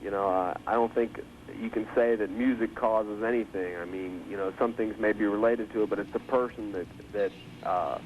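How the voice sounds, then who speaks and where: A record producer calling in by phone, speaking casually and hesitantly with many fillers, heard from a worn tape copy. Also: male voice, lowish voice, fairly even intonation, moderate pace. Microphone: telephone. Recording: dull phone line on worn tape with hiss.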